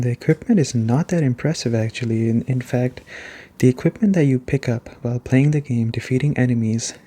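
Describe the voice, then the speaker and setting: A man giving a soft-spoken ASMR gaming review, talking conversationally and repeating his points for emphasis. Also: mid-range voice. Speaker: game reviewer.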